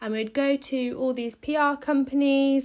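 On a very clean recording with a silent background, a woman speaks with a London accent and fairly even intonation. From London, England. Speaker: podcast host, fashion student. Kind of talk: solo podcast monologue.

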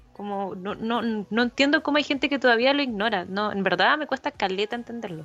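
A woman with a Chilean accent, fairly high-pitched, lively intonation, a fairly quick pace and hardly any pauses. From Santiago, Chile. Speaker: university student. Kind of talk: casual chat.

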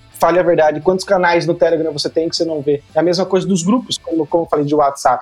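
Over music in the background, a man speaks at a very fast pace and high pitch, with fairly even intonation and hardly any pauses. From Sorocaba, São Paulo state, Brazil. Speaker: community manager and designer. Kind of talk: casual podcast interview.

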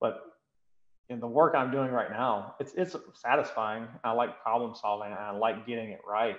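With an unremarkable speaking voice, a man talks at a moderate pace and medium pitch, his pitch varying in an ordinary way while his loudness moves in big swings. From US South, South Carolina (Greenville). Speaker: short-term rental investor and entrepreneur. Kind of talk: interview conversation.

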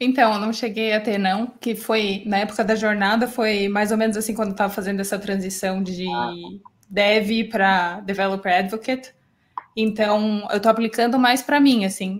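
An ordinary speaking voice from a woman, fairly high in pitch, with fairly even intonation at a moderate pace. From Santa Catarina, southern Brazil (Criciúma). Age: 30s. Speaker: software engineer. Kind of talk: casual interview.

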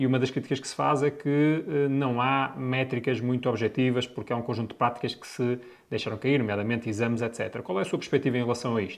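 A man at a medium pitch talking at a very fast pace with fairly even intonation. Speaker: podcast host. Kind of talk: interview conversation.

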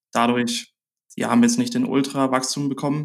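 At a moderate pace, the words come in an unremarkable speaking voice. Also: man. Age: 20s. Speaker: social media agency founder. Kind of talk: casual interview.

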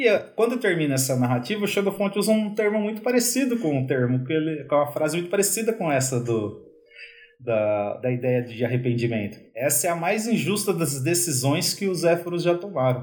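In a room with audible echo, a man speaks with very wide pitch swings. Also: fairly high pitch for a man, moderate pace. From Brazil. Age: 30s. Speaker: classics professor. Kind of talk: casual interview chat.

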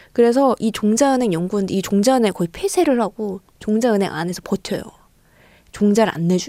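Dark and mellow in tone, a woman speaks at a fairly high pitch and a fairly quick pace with ordinary pitch variation. The recording is very clean, with a silent background and a dry, close sound with no echo. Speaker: community radio co-host. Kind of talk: scripted segment announcements; casual radio talk show. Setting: radio studio. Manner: low-energy voice.

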